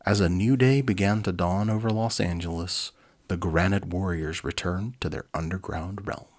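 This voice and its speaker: A man's voice: sits low, fairly even intonation, moderate pace, a little mellow. A man presenting and reading a children's storybook, with an easygoing, informal manner. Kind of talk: dramatic reading with casual asides.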